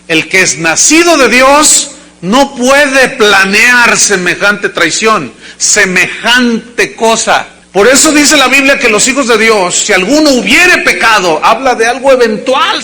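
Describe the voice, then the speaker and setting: High-voiced, bright-toned preaching man. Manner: preaching with bursts of shouting and dramatic quotes. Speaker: pastor. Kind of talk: sermon. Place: church service before a congregation.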